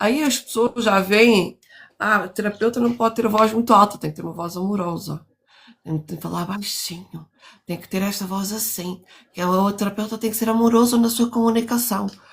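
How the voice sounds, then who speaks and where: The pace is moderate. Loudness swings widely. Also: woman, medium pitch for a woman. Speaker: therapist and mentor. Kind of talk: casual chat. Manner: animated.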